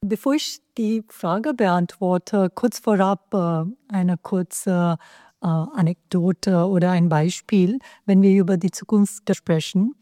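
A woman's voice: lowish voice, takes it slowly, dark tone, no room sound, studio quality. A woman whose first language is Hindi, a professor of political theory, answering interview questions earnestly with hesitations and self-corrections.

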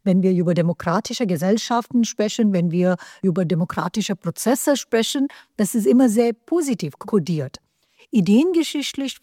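A woman's voice: medium pitch, dark tone, no room sound, clean studio sound. A woman whose first language is Hindi, a professor of political theory, answering interview questions earnestly with hesitations and self-corrections.

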